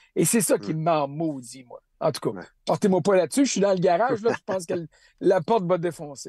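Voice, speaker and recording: Against a quiet background, a man with a Quebec accent talks at a fairly quick pace, the sound dry with no echo. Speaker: hockey analyst. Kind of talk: casual chat. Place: garage. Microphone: earbuds.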